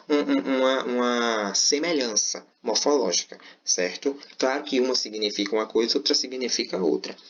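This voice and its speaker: A man's voice: mid-range voice, fairly bright tone. A man teaching a Portuguese grammar lesson in an informal, explanatory way, often checking in with "certo?" and "beleza?". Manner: informal, repeats himself while explaining. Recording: slightly dull lo-fi recording.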